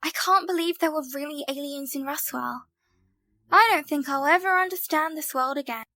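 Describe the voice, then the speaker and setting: An earnest young woman acted by a woman with a high, bright voice. She sounds determined and plain-spoken in audio drama dialogue, with a dry recording. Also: normal speed, dry recording. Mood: wondering.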